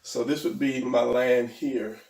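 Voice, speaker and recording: A man's voice: medium pitch, steady tone, a little slow, gravelly, darkish tone, reverberant, far from the mic, low-quality recording. A man teaching drawing in a casual, hesitant and rambling way, his voice a little stuffy and worn. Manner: hesitant, rambling, self-deprecating. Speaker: drawing instructor.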